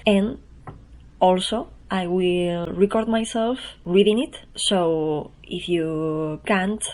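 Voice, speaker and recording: A woman's voice: on the low side, slow pace, low-quality recording. A woman with a Spanish accent, who speaks English as a second language, hosts her own podcast in a chatty, self-deprecating way. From Spain. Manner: chatty and self-deprecating, soft-spoken, laughs at herself. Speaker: newsletter writer and podcast host. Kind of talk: casual spoken podcast intro, reading her newsletter.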